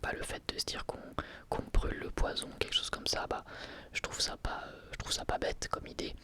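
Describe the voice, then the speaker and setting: A man hosting his channel, reviewing an anime episode in a soft ASMR whisper, hesitating often with fillers. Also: a little fast.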